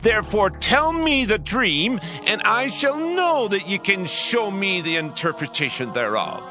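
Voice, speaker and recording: Slow, imperious, wrathful king. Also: sits high, sing-song, over music. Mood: angry, suspicious. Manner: imperious, declamatory, deliberate. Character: proud, wrathful, threatening Babylonian king. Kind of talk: dramatized scripture acting.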